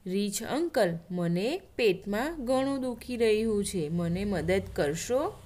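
A woman's voice: medium pitch, expressive, slow pace, darkish tone. A woman voicing a little boy mouse with a stomach ache in a children's story, in a plaintive, pleading way.

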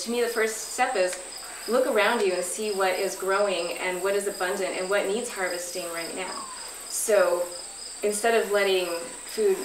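In a friendly workshop at a flip chart, a woman in her thirties with a mid-range voice asks the group questions as she goes. The setting is an outdoor pavilion where insects and crickets fill the background. Recorded by a far camera, the audio is distant, roomy and noisy.

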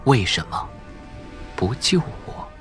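A man's voice: takes it slowly, fairly bright tone, soft background music. A man voicing a cold, reproachful dead woman from a nightmare in a suspense audiobook. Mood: cold, accusing.

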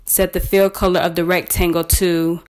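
A woman presenting a scripted step-by-step software tutorial in a measured, instructional way. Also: fairly low pitch, little pitch movement.

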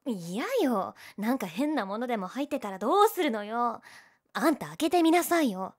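A woman's voice: on the high side, animated, normal speed. A young woman playing a teasing, prickly, secretly lovestruck tsundere childhood friend in a romantic audio drama. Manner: bratty teasing, flustered, emotive.

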